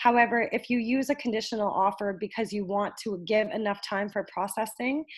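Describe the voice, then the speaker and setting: A somewhat breathy woman talks at a fairly quick pace with hardly any pauses. Her voice is fairly high, with ordinary pitch variation. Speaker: university international student advisor. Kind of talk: webinar Q&A. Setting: online webinar. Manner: fast.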